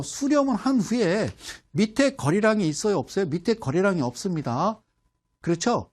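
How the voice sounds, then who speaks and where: A middle-aged man giving a playful stock chart lecture, asking questions and answering himself, with sound effects and mock dialogue. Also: sits high. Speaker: stock market instructor.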